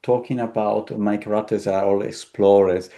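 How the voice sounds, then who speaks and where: Low-voiced man searching for his words. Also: fairly even intonation, moderate pace, creaky, warm tone. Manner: searching for words, repeating himself. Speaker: tarot deck creator. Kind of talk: casual interview conversation.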